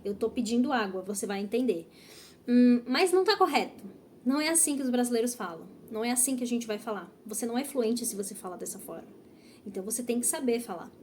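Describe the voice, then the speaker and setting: A woman's voice: a little high, fast, darkish tone, slight background noise. A Brazilian woman teaching Portuguese online, direct and encouraging, often checking in with "tá?". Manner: direct, encouraging, repeats key points with "tá?". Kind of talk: online language lesson.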